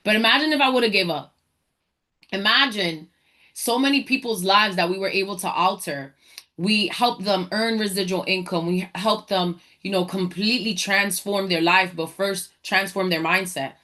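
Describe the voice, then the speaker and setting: A woman from the Dominican Republic hosts a motivational faith talk for entrepreneurs. She preaches with energy and calls her listeners y'all. Her voice sits at a middle pitch. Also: normal speed, sharp tone. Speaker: podcast host, entrepreneur.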